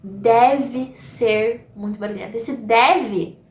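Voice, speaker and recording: A woman's voice: on the high side, slow, reverberant. A Brazilian woman teaching an English grammar lesson, explaining patiently step by step. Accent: Brazilian Portuguese.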